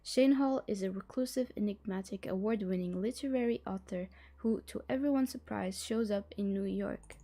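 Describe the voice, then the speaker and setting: Mellow-voiced non-native English-speaking woman streamer. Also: medium pitch, moderate pace, hardly any pauses. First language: not English. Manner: chatty, giggly, stumbles over words while reading. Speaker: livestream host. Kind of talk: casual livestream chat, reading a book blurb aloud.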